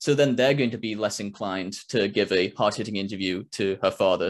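At a fairly quick pace comes a plain, everyday voice with ordinary pitch variation. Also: man. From born in UK, raised in US. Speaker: YouTube commentator with anthropology and biology degrees. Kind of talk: interview conversation.

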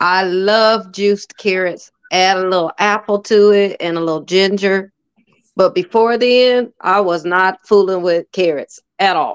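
With an American accent and a plain, everyday voice, a woman speaks at a medium pitch, with fairly even intonation and a fairly slow pace. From Ohio. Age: 50s. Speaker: corporate manager and travel consultant. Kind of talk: casual chat.

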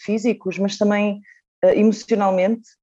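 A woman's dark, mellow tone, fairly even intonation, moderate pace. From northern Portugal, near Porto. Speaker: actress and singer. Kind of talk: casual interview chat.

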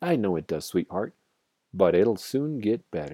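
A man puts on a character voice with a low pitch, a dark, mellow tone and a slightly husky edge, moving at a fairly slow pace with big pitch swings in a dry, close sound with no echo.

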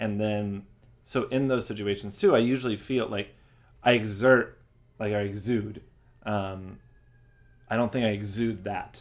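A man with a fairly low pitch talks at a fairly slow pace, using monotone, flat intonation and long, frequent pauses. The recording is very clean, with a silent background. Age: 30s. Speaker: podcast guest, hosts' roommate. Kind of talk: casual chat.

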